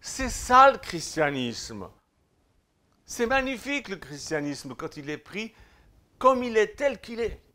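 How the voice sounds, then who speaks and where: A man with a Swiss French accent preaching a sermon, exhorting listeners directly with informal address, swinging between loud declarations and quiet asides. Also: high-pitched, very animated, slow pace. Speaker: pastor.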